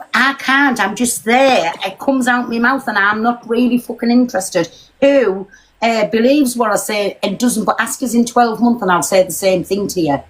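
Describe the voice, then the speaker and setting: On a TikTok live stream, a British woman with a fairly high voice rants to her viewers in a chat marked by poor audio. She is blunt, confrontational and fast-talking, swearing as she goes.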